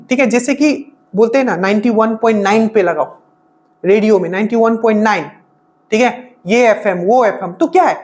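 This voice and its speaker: A woman teaches exam-prep science. She talks in a loose, conversational way. She circles back over each point and drops a quick "okay?" after nearly every phrase. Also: a little high. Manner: explains with constant "okay?" check-ins and repetition. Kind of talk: casual spoken lecture.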